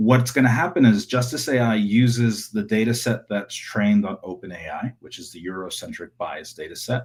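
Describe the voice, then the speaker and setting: The recording is very clean, with a silent background. The voice is somewhat breathy, swinging widely in loudness, with ordinary pitch variation, a moderate pace and hardly any pauses. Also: man, medium pitch for a man. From Los Angeles, California. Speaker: decolonial technologist. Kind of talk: interview.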